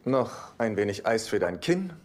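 A man's voice: on the low side, big pitch swings, normal speed, heavy background noise. An actor in a German sitcom dub playing a fussy, supportive but dryly sarcastic man. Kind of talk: German-dubbed sitcom acting.

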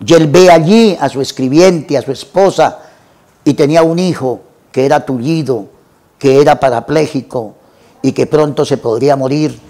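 A man retelling a classic novel for a literature program, in a measured way and lingering over lists. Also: a little high, dark tone. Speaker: literature presenter.

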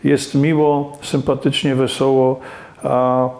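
A man in his fifties speaks in a gravelly, flat voice in an office. He answers an interviewer's questions in a plain, affirming way. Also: mid-range voice, slow. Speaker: guest, school director. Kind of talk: conversational interview. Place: office room with plants and bookshelves.

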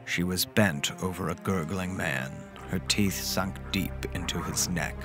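Low-pitched male actor as lovestruck gentleman telling his own gothic horror tale, music underneath. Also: measured pace. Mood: tense, dread. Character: smitten gentlemanly man recounting a dark horror romance. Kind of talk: dramatic first-person audio drama narration.

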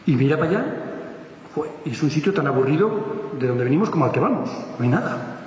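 A man with a Spain Spanish accent tells a story in a slightly high voice. He acts out the voices and talks with many fillers and restarts. The sound is very echoey, with a long hall reverb and a faint hiss. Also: animated, fast, a little mellow, dull audio. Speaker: speaker telling a story to an audience. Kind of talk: animated storytelling talk.

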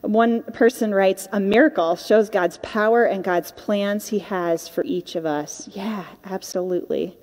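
A young adult woman preaching a conversational sermon, reading scripture and explaining it in an informal, expressive storytelling way. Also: medium pitch, measured pace, hardly any pauses. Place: indoor stage with curtain backdrop. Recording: reverberant hall sound.

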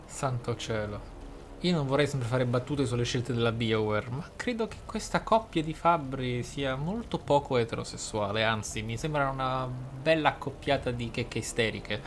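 A man's voice: medium pitch, moderate pace. Wordy man over background noise. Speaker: video game let's player. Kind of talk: game commentary, reading skill descriptions aloud.

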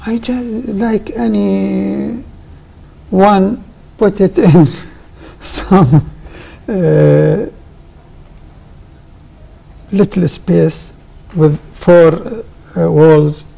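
An older man speaks very slowly in broken English, stopping often to find words. His voice is gravelly, dark and husky. He is miked on a lapel in a studio. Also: high voice, steady tone, poor audio. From Iraq. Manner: halting non-native English with frequent pauses. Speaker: guest artist. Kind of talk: interview answers. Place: television studio.

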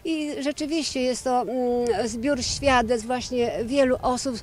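A middle-aged woman, a nun, answering questions outdoors into a handheld reporter mic, halting with many fillers and restarts. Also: high-pitched. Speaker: nun, book organizer. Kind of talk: outdoor news interview. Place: outdoors by a church building.

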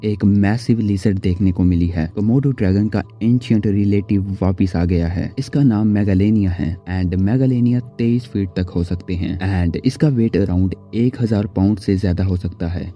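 A man's voice: fairly low pitch, mellow, dull audio. An Indian man narrating a horror series explainer in a scripted style as a voice-over. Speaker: video narrator. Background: background music.

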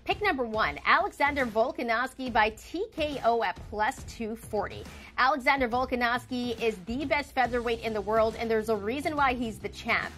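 A woman from Canada in her thirties, reporting on sports and giving betting picks in a brisk, confident, conversational way. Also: a little high, fairly bright tone, soft background music. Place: home studio and arena sidelines.

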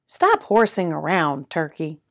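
A woman's voice: low voice, huge pitch swings, a little slow, dry recording, clean studio sound, heavily acted. A woman voicing blunt farm animals in a children's storybook, with animal calls and curt put-downs. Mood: curt scolding. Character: blunt, scolding farm animal, unimpressed by disguises.

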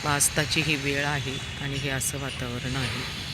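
A woman's voice: rumbling low, little pitch movement, measured pace, heavy background noise. A woman chatting casually outdoors at night, calling out and coaxing street animals with affection. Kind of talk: casual vlog talk.

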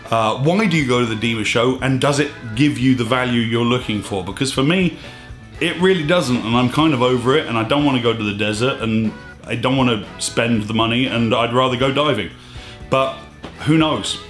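Slightly hoarse man venting to camera. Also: mid-range voice, a little fast, fairly bright tone. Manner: emphatic, exasperated, gestures with hands. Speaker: scuba diving channel host. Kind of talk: opinionated to-camera vlog. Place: small indoor studio room. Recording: echoey room with faint music.

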